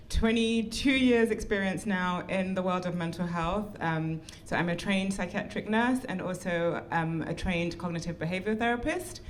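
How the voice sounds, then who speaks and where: A woman's voice: medium pitch, slight background noise. A woman from the United Kingdom in her forties, a mental health counselor speaking as a guest on a live podcast panel, eager and thoughtful. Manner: warm, excited, thoughtful.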